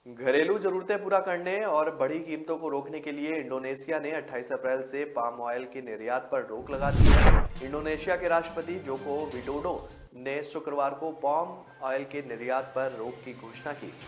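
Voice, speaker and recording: A man's voice: medium pitch, normal speed, few pauses, background noise. A man reading a scripted news bulletin as the anchor, with music behind him.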